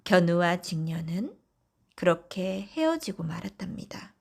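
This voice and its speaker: Slow, soft-spoken woman telling bedtime tales. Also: on the low side, sing-song, vocal fry. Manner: soft, often whispery, gentle delivery. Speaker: audiobook narrator. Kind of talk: bedtime storytelling of folk tales.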